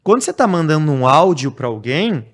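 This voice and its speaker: A man from Brazil, a podcast guest talking casually in a blunt, direct way and growing animated when he explains. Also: on the high side, a little fast. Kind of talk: casual conversation.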